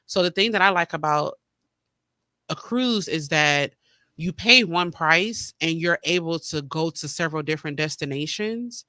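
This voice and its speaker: A man rambles through a casual solo podcast chat, with plenty of ums and likes. His voice is bright and smooth, a touch higher than most men's, with a slight congested edge from a cold. The sound is dry and close. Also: no echo. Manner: chatty, rambling with many fillers. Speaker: podcast host. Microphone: streaming mic.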